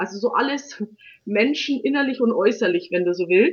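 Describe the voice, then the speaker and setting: A plain, everyday voice with lively intonation. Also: woman. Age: 30s. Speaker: sales trainer. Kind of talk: interview.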